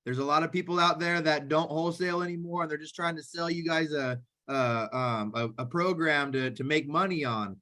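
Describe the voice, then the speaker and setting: A man's voice: a little high, pushed and bright. A man co-hosting a live video call, speaking earnestly and directly, with a few restarts. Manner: earnest, direct, a little halting. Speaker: co-host.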